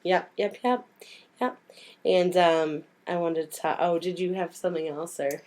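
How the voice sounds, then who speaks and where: A woman with a hoarse voice from a cold, chatting casually and informally as a podcast co-host, given to giggling. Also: lowish voice, steady tone, a little slow, darkish tone. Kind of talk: casual chat.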